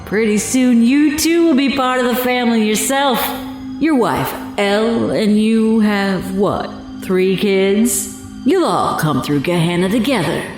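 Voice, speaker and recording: A woman's voice: medium pitch, lively intonation, darkish tone, lightly acted. A woman playing an evil, taunting cultist witch in a horror audio drama, gloating and mocking as she speaks. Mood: menacing. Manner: gloating, mocking, slow and deliberate, cackling. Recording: very echoey, music underneath.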